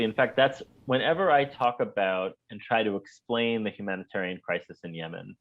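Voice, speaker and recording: Lowish voiced guy explaining policy stuff calmly, kinda muffled remote audio. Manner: measured, explanatory. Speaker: humanitarian policy expert guest. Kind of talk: interview answers.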